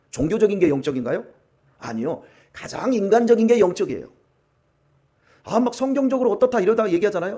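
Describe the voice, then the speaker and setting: A male pastor giving an early-morning sermon, emphatic, swinging between loud and hushed. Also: high-pitched. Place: church.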